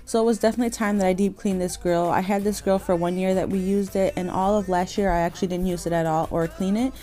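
A woman's voice: mid-range voice, steady tone, fast, dark tone, faint music behind. A young woman vlogging and narrating her cleaning day, talking casually and candidly. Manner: tired, candid, chatty. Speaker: vlogger, mom. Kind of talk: casual vlog chat and voice-over. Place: car interior.

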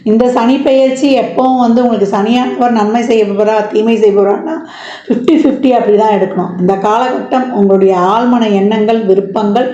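A woman astrologer explaining a yearly forecast in a steady, explanatory way, listing one point after another with many fillers. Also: on the high side, brisk, echoey room, dull audio. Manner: explanatory, lists items with frequent fillers.

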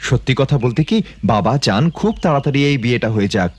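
Cartoon lead: a man playing a reasoning young student son, quick and lively. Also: mid-range voice, over music, natural voice. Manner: calm, reasoning, respectful.

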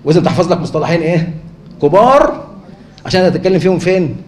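Rapid-fire Egyptian male lecturer. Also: a little high, expressive, a little mellow, a little hiss or hum. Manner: fires rhetorical questions and answers them himself. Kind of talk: conference lecture. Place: lecture hall. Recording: echoey hall.

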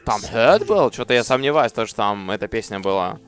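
Casting: male game streamer, 30s, lowish voice, casual muttered commentary, sweary, faint music behind. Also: sing-song, a little fast, clear, resonant tone. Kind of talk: casual live gameplay commentary.

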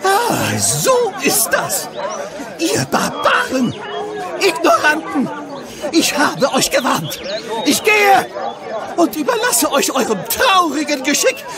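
An actor playing a vain, easily offended village bard in a comic radio play, pompous and theatrical. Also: male voice, very high-pitched, big pitch swings, takes it slowly, heavily acted. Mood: indignant. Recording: loud music and crowd behind voice.

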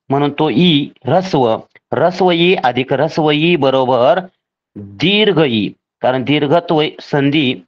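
Man, teacher, exam grammar lesson, slightly high voice, dull lo-fi recording. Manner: slow, deliberate, spelling out rules step by step.

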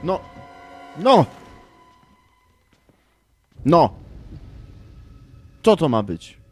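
A young man commentating a horror game, shouting in panic and then grumbling in frustration. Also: fairly high pitch, very animated, extremely slow, faint music behind. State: frustrated and agitated. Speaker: gaming channel host.

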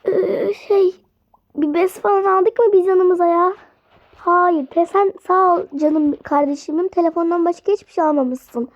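A woman acting out a spooky play scene, excitable, stammering and shrieking. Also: very high-pitched, unhurried, muffled recording.

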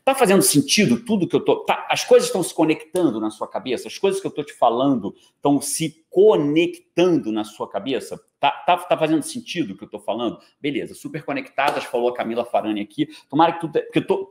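Male coach, 40s, Brazilian accent, slightly high and very animated, playful and slangy, roomy echo. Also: quick pace, hardly any pauses. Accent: Brazilian Portuguese. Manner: lively, joking, slangy, keeps checking in with listeners. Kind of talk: live online talk to an audience. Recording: echoey room.

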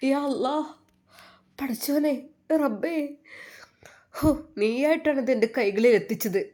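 A woman's voice: high-pitched, unhurried, mellow, pitched above the performer's own voice. A woman voicing a kind, devout older Arab woman who prays, pleads and comforts in a motherly way. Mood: pleading prayer.

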